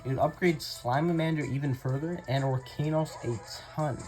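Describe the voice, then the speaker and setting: A man's voice: on the high side, moderate pace. Chatty young man narrating gameplay. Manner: chatty, addresses viewers as guys, laughs often. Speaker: gaming YouTuber. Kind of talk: casual gameplay commentary. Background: faint game music.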